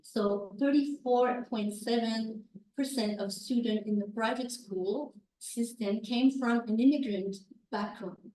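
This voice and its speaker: A university researcher, a native French speaker with a Quebec French accent, gives a hesitant academic conference talk in English, full of fillers and restarts. Her voice is a little high, slightly slow and dark-toned. She is far from the mic in an echoey lecture room, with slight background noise.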